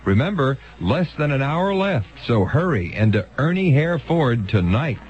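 A man reading a 1970s local radio commercial as an urgent sales pitch. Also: big pitch swings, a little slow. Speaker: commercial announcer. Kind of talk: 1970s radio car-dealer ad read. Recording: dull vintage radio broadcast, faint music.

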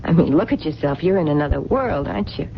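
A woman's voice: low-pitched, expressive, quick pace, vocal fry. Wistful, stubborn American woman, swooping intonation. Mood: wistful, earnest. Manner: hesitant, earnest, colloquial grammar. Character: wistful, stubborn lonely romantic woman, plain-spoken and defiant. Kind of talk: 1970s radio drama acting. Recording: dull, noisy 1970s radio broadcast recording.

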